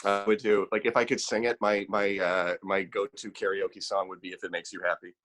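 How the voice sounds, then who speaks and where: Man, 40s, lowish voice, podcast co-host, rambling, self-deprecating, casual chat. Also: flat delivery, fairly quick, a bit bright.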